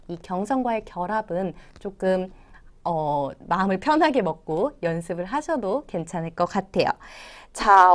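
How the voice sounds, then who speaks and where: Lively woman teaching pronunciation. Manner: encouraging, demonstrates tones with swooping pitch. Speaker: Chinese language teacher. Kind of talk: online video lesson.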